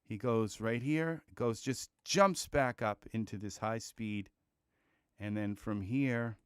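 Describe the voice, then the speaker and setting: A man hosting a music software tutorial, thinking aloud in a loose, chatty way and voicing beats with sound-words. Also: lowish voice, slow pace, clear, resonant tone, no echo, studio quality. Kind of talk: screen-recorded software tutorial.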